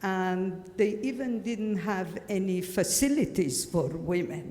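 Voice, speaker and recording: With audible room echo, a woman speaks very slowly in a dark, mellow tone at a medium pitch with ordinary pitch variation. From Iran. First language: German and Persian. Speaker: journalist. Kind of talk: panel talk.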